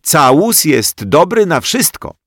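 A man voicing a bossy, matter-of-fact little kindergarten girl in a high voice. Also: very animated, slow, a bit bright, dry recording, clean studio sound, heavily acted.

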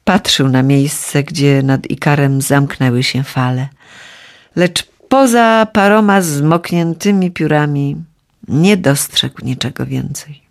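Gravelly woman reading a children's story. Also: low-pitched, takes it slowly. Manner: expressive, lively reading aloud.

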